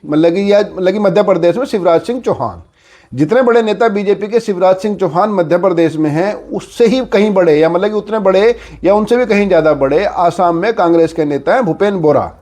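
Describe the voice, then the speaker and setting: Male news commentator, high voice, informal explainer delivery peppered with verbal fillers. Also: a little fast, darkish tone. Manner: conversational explainer with repeated filler phrases.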